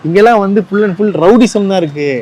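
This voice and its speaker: A man's voice: high-pitched, fairly quick, a little mellow. A man interviewing people outdoors, asking leading questions and echoing their answers. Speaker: street interviewer. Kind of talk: street interview. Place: outdoors on a street.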